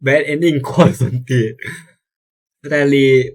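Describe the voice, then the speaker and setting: A young man commentating as he plays a visual novel, excitable and swearing, sometimes stumbling over words. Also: fairly high pitch, takes it slowly. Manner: excitable, yelps and swears at scares; reads game lines aloud, stammering. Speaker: gameplay streamer. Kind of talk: casual let's-play commentary.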